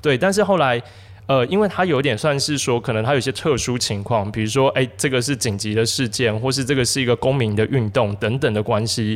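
Using an ordinary speaking voice, a man talks at a medium pitch and fairly quick pace with ordinary pitch variation. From Taiwan. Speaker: former legal researcher. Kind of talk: casual chat.

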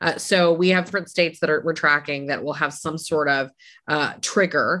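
A woman speaks in a normal speaking voice at a fairly low pitch, with fairly even intonation. The background is quiet. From Texas, Indian immigrant family. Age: 40s. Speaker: abortion rights organization leader. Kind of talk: interview.

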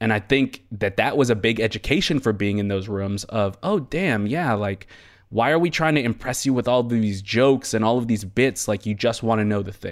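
In a very clean recording with a silent background, a man with an American accent uses a normal speaking voice at a moderate pace, with medium pitch, ordinary pitch variation and hardly any pauses. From Boston, Massachusetts. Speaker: TV field producer. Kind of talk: casual chat.

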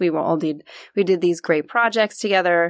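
A woman speaks in an ordinary speaking voice, fairly low in pitch with ordinary pitch variation. The recording is very clean with a silent background and a dry, close sound with no echo. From Israel and France, then US. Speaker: guest who helps schools with mindfulness practices. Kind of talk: casual interview chat.

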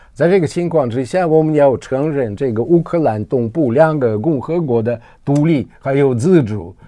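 Lively in intonation, a man talks at a moderate pace in a fairly high pitch with a dark, mellow tone. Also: hardly any pauses. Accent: Russian. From Russia. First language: Russian (speaking Chinese). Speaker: professor. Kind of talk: radio interview. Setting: studio. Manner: halting, many fillers.

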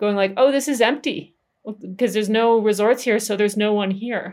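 A woman with a Canadian accent talks in an ordinary speaking voice at a fairly quick pace with fairly even intonation, on a very clean recording with a silent background. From Canada. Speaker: journalist and author. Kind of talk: interview.

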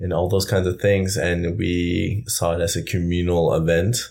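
In a very clean recording with a silent background, a man with a German accent speaks fairly slowly at a very deep, low pitch with fairly even intonation. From Germany, Caribbean and Canada. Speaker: adventurer. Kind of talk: interview. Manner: hesitant, many fillers.

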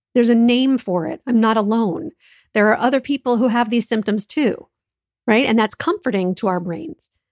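A woman with a plain, everyday voice speaks at a moderate pace and a fairly high pitch with ordinary variation, in a dry, close sound with no echo on a very clean recording with a silent background. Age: 40s. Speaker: parenting coach and podcast host. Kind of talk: solo podcast monologue.

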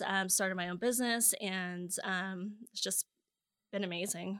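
A woman's tone is bright and sharp, in a Californian accent. The recording is very clean, with a silent background. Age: 40s. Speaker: independent beauty stylist. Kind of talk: casual interview. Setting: studio.

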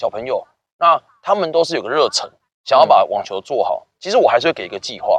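A man talking at a very fast pace, in dry, close sound with no echo. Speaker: tennis coach. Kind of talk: interview.

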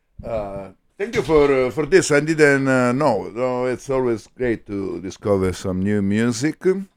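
Lively intonation runs through a man's fairly slow delivery. He has a normal speaking voice. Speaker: radio host. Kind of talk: radio interview and show hosting. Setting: radio studio.

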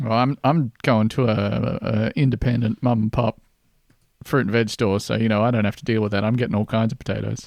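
At a fairly quick pace, a man with a medium pitch and fairly even intonation comes through in a dry, close sound with no echo. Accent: Australian. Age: 30s. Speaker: podcast co-host. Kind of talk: casual chat.

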